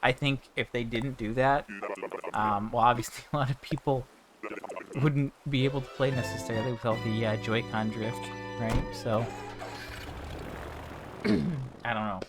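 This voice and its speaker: A man's voice: medium pitch, steady tone, measured pace, pauses often. A man streaming a game, chatting casually in a rambling, ranting way with many restarts, interrupted by hiccups. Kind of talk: casual livestream chat while playing. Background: game music.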